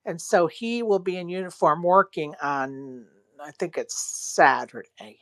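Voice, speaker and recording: Woman, lower-pitched voice, casual online audio chat, loose phrasing, no room echo. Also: expressive, measured pace.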